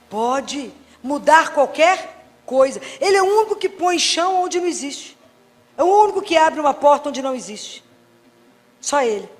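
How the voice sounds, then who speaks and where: A Catholic doctor giving a faith talk, telling anecdotes and acting out dialogues with wry humor. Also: female voice, high voice, long reverb tail. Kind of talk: preaching talk with lively anecdotes.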